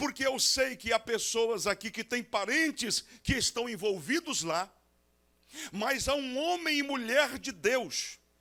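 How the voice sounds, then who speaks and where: A man with an extremely high pitch speaks very slowly in a raised, projected voice with a bright, sharp tone. The recording is very clean, with a silent background. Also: lively intonation. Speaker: pastor. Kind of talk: sermon. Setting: church.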